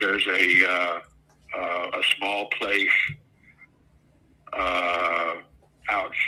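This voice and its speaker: A man's voice with music in the background. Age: 70s. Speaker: home seller on a sales call. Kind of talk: phone call conversation. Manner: halting, many fillers.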